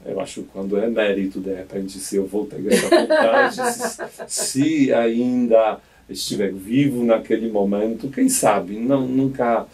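A man's voice: mid-range voice, big pitch swings, unhurried, few pauses, darkish tone, far from the mic. A man in his fifties, a bishop from Poland with a Polish accent, speaking in a radio studio interview, reflective and hesitant with many restarts. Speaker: auxiliary bishop. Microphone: studio mic on boom arm.

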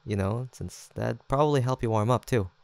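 A man's voice: mid-range voice, a little fast, vocal fry, darkish tone, clear, resonant tone, dry recording, lightly acted. A young man acting an easygoing, teasing, affectionate student roommate in an intimate, casual roleplay audio drama, with hesitant banter. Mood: gentle, shyly caring. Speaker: voice actor.

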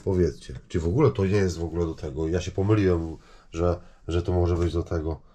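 A man giving casual, rambling vlog commentary, halting and repeating himself as he addresses viewers. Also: sits low, fairly even intonation, mellow. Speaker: vlogger showing finds from discarded junk.

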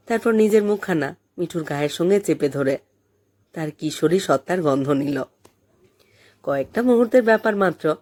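A woman reading a story as an audiobook narrator, in an expressive scripted style. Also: low voice.

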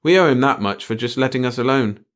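A man's voice: mid-range voice, fast talker, pitched above the performer's own voice, lightly acted. Man doing a bored, dry lab tech, slightly raised. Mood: disinterested. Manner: disinterested, dry, blunt. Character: bored, dry, stubborn male lab technician. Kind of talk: storybook character voice in narration.

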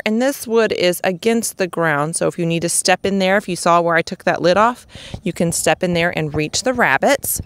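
A woman's voice: medium pitch, a bit bright, dry recording. A woman giving casual, unscripted homestead vlog commentary in a folksy way, recorded outdoors with a handheld microphone. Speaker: homestead vlogger. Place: outdoors on a grassy farm yard.

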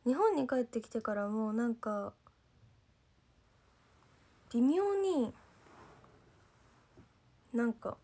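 Livestreaming to fans and reading their comments, a Gifu-born idol trainee speaks mostly standard Japanese with a light local dialect. Her slightly high voice is sing-song and dark-toned, extremely slow with long pauses. She chats and rambles, loses her thread, and fills with plenty of "nanka."

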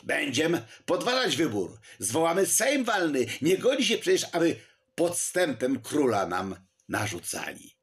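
Male reader doing a commanding nobleman, firm, gravelly, lively pitch. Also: measured pace. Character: brooding nobleman host, commanding.

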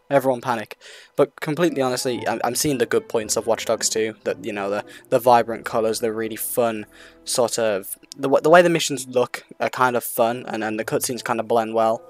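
A man giving unscripted, casual commentary on a video game in a rambling, hesitant way, often repeating himself. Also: medium pitch.

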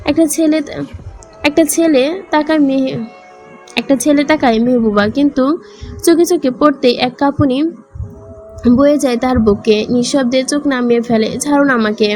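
A woman narrating a romance novel as a storyteller with a steady, even reading. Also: sits high, normal speed, pauses often. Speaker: audiobook narrator. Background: faint music.

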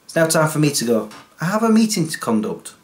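An animated man, chatting to camera from a small home office. He pokes fun at himself as he talks. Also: on the high side, fast talker. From England. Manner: self-mocking, animated, waves hands while talking. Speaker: YouTuber. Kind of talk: casual vlog chat to camera.

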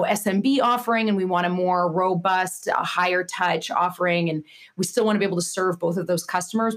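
A woman in her forties, a guest author in a podcast interview, talking in a chatty way with lots of fillers. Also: lowish voice. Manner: chatty, with many fillers and restarts. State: slightly nasal from losing her voice.

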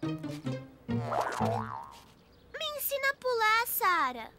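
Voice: very high voice, big pitch swings, normal speed. A performer voicing a curious, eager preschool boy in a Brazilian cartoon dub, with simple, inquisitive childlike phrasing. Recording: music behind the voice.

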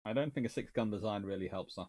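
Low-voiced man thinking aloud at his desk. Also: quick pace, a little mellow. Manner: thinks aloud, trailing off and restarting mid-sentence. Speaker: naval historian answering viewer questions. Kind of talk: casual livestream Q&A. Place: small indoor room lined with bookshelves.

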